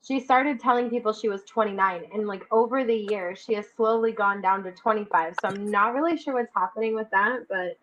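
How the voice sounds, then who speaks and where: A woman's voice: mid-range voice, fairly quick, few pauses, a bit bright, highs cut off, slight background noise. A woman in her twenties hosting a casual live chat, giggling often and reading out viewer comments. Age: 20s. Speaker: host of a live stream.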